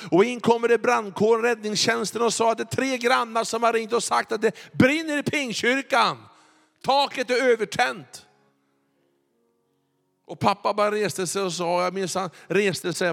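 A man preaching a sermon, telling a story with animated delivery that builds to loud excited peaks. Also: sits high, gravelly. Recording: echoey hall with faint music. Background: faint music.

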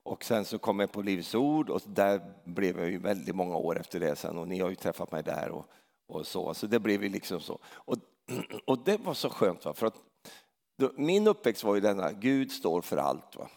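A middle-aged man giving a sermon like a story told to friends, tagging "va?" onto his sentences and stumbling through restarts before climbing to loud, emphatic peaks. His pitch swings widely from low mutters to high exclamations. His voice carries the long reverb of a large hall. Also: expressive, creaky. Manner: conversational storytelling, tags lines with a questioning "va?". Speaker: preacher.

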